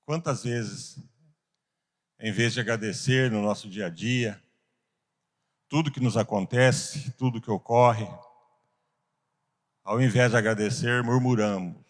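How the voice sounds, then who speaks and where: A man with a Brazilian Portuguese accent teaching a Bible class, earnest, asking rhetorical questions and pausing for emphasis. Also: medium pitch. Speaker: Sunday school teacher.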